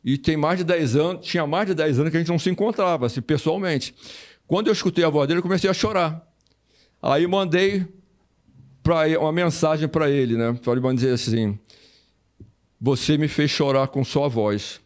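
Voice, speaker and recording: Older man, from Brazil, fairly high voice, animated storyteller, repeats phrases, interview guest. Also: brisk. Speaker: former footballer, podcast guest.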